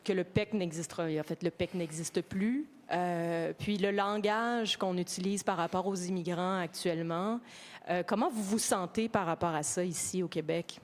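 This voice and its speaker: A female journalist asking measured questions at a press conference, with some hesitations. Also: fairly low pitch.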